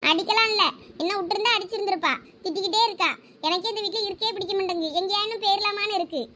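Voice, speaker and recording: Nagging village mom, very high bright voice, Thoothukudi Tamil accent, cartoon. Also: female voice, very fast, a little hiss or hum. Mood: scolding. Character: sharp-tongued scolding village mother. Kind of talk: cartoon voice acting.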